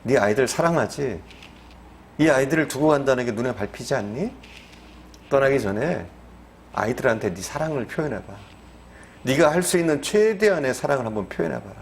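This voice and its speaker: Pastor voicing the Lord, gently coaxing. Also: male voice, mid-range voice, lively intonation, brisk, vocal fry, long pauses, slight background noise. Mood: tender, coaxing. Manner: tender, coaxing, like speaking to a child. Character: the Lord, a gentle fatherly male voice. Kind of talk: acted quote within a sermon.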